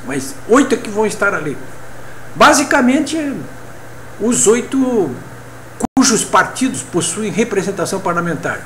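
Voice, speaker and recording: A man's voice: high voice, roomy sound, a little hiss or hum. An older man from Brazil giving casual, opinionated political commentary to a webcam in his home office, often tagging questions onto his points. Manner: chatty, opinionated, frequent tag questions. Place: home office with bookshelf, indoors. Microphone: webcam at desk.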